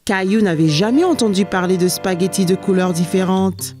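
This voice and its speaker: A woman narrating a children's cartoon in a gentle, clear storybook manner. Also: mid-range voice, normal speed, soft background music.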